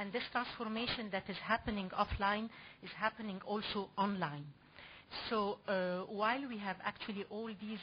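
With an Arabic accent, a woman talks at a moderate pace in a medium pitch. Her intonation stays fairly even. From Egypt. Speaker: civil servant. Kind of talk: panel discussion. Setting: conference room with audience.

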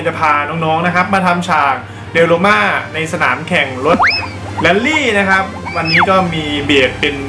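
Clear background music, with ordinary pitch variation in the voice. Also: man. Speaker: toy diorama hobby host. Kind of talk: tutorial. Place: shop.

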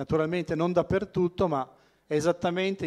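A man talks at a fairly quick pace. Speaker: geology professor. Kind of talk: lecture. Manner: halting.

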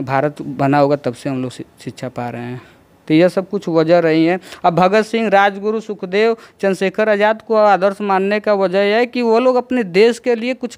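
This man's voice sits high in pitch and moves at a moderate pace. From Uttar Pradesh, India. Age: 20s. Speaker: teacher running a free school. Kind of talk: interview; interview answer. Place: home room. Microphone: handheld.

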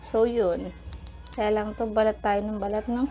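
Fairly slow speech from a woman, faint music in the background. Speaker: food vlogger. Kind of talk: casual vlog chat. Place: home room. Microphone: phone near.

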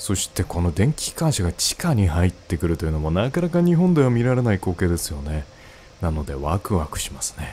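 With ordinary pitch variation, a man talks at a moderate pace in a very deep, low voice. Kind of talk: game commentary.

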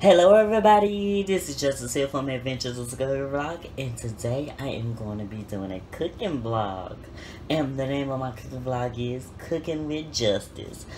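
Noticeable background noise accompanies a man talking at a moderate pace. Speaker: home cooking vlogger. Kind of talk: casual vlog chat. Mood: playful, chatty. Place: kitchen. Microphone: phone near.

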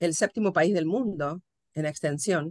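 With an Argentine accent, a woman with fairly low pitch speaks in lively intonation, the sound dry with no echo and the background quiet. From Argentina. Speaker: civil rights case investigator and real estate agent; radio guest. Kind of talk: radio interview. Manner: hesitant, many fillers. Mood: friendly, relaxed. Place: office. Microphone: video call.

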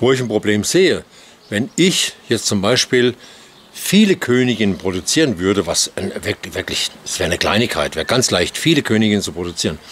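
Light background noise beneath a man's very wide pitch swings. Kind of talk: casual vlog chat. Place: garden. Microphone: phone near.

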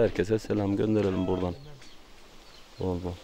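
A man's fairly low voice, dry with no echo, over light background noise. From Turkey. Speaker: villager. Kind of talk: casual interview. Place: garden. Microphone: handheld.

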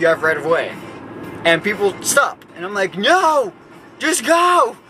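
Music plays behind a man speaking at a fairly slow pace. His pitch varies in an ordinary way. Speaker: vlogger. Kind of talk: casual vlog chat. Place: car. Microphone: phone near.

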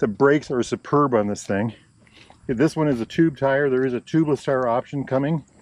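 A man's dark, mellow voice at a fairly quick pace, with ordinary pitch variation and a dry sound with no echo. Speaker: motorcycle reviewer. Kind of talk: casual review walkaround. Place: open country. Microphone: phone near.

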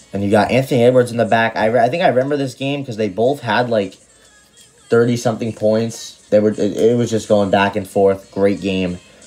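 Over faint background music, a man talks at a fairly quick pace with ordinary pitch variation. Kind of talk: casual vlog chat. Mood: relaxed, upbeat. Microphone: phone near.

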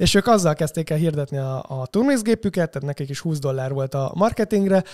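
A man with a dark, mellow tone speaks at a very fast pace against a quiet background. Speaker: pop musician; podcast guest. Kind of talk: casual interview. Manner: frequent distinctive laughter. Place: studio. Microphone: studio mic.

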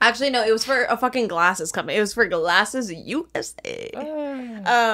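The background stays quiet as a woman talks. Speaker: podcast co-host. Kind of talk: casual podcast chat. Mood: playful, laughing. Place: home room. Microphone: studio mic.

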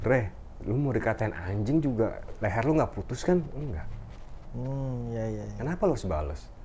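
A man talks at a moderate pace. The room adds audible echo to his voice. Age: 30s. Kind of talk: testimony. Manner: animated.

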